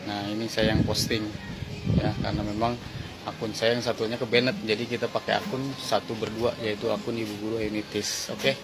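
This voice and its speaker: A man's voice: lowish voice, little pitch movement, fairly quick, background noise. A man in his thirties, a supermarket supervisor, talks hesitantly to a phone held at arm's length in a store aisle, with many fillers. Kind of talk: casual clarification vlog. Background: loud background music.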